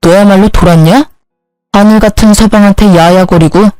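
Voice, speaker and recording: A woman's voice: mid-range voice, fairly even intonation, normal speed, mellow, dry recording, soft background music, lightly acted, poor audio. Storybook husband, petty and bossy, barking orders in a dry, close voice, as a woman reads him. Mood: demanding. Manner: curt, demanding, scolding. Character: rude entitled young husband, bossy and petty.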